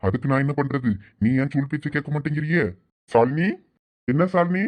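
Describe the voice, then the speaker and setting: A cruel male captor taunts his prisoner in a menacing audio drama voice, as a man acts him out. The voice sits a bit high and moves fast. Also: close to an everyday voice.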